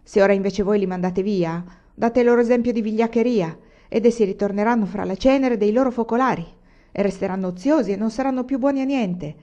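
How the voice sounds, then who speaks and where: A woman reading the part of a bold male bandit chief who rallies his men loudly. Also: medium pitch, lively intonation, normal speed, natural voice. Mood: rousing. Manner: loud and rallying. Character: fiery bold male bandit leader, rousing. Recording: dull lo-fi recording.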